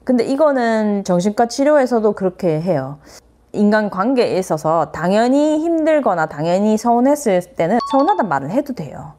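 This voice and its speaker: A woman's voice: mid-range voice, very animated, moderate pace, dark tone, soft background music. A middle-aged woman psychiatrist giving a parenting lecture, speaking earnestly, acting out what parents and children say and mixing in English phrases.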